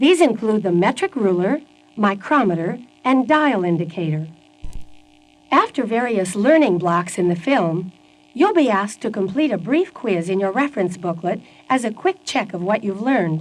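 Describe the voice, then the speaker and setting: With music in the background, a woman speaks at medium pitch and a moderate pace, her pitch swinging very widely. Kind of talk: corporate training narration.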